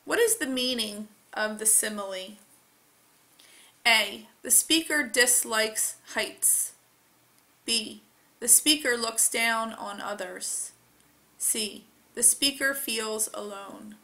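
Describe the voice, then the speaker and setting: Slow, bright-voiced woman reading aloud. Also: a little high. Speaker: test reader. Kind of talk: slow read-aloud of test questions.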